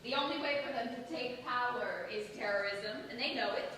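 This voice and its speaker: Stern secularist woman, bright forceful tone, pointed, accusatory, theatrical, distant roomy recording. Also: a little high, fairly quick. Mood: insistent, alarmed. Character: hard-line secularist woman, fearful and accusing interrogator. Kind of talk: staged reading, dramatic delivery. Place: theater stage, live staged reading. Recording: echoing hall from afar, faint noise.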